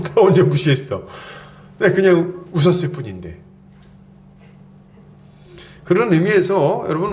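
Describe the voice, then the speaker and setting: A man preaching a sermon in a chatty way, acting out quoted lines and often chuckling. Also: on the high side. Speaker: pastor.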